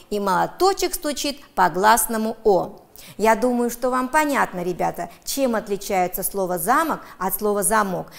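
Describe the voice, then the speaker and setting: A woman with an Uzbek accent teaches first graders on television, her voice a little high and swinging widely up and down. She speaks slowly and in a sing-song way, stretching words out so that small children can follow along. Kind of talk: televised lesson for young children.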